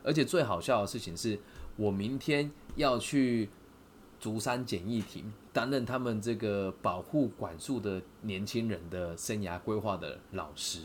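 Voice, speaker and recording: A man with a Taiwanese Mandarin accent hosting a podcast, telling a story in a lively way and asking listeners rhetorical questions. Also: lowish voice, unhurried, a little hiss or hum. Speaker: podcast host. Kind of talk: casual storytelling monologue.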